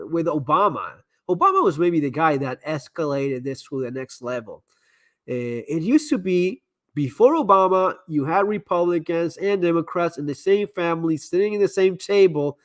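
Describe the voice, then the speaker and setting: A man's voice: on the high side, no room sound. A man hosting a live stream, chatting casually and giving candid advice, often repeating words as he restarts sentences. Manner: frequent stammered repeats and restarts. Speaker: live stream host answering viewer messages.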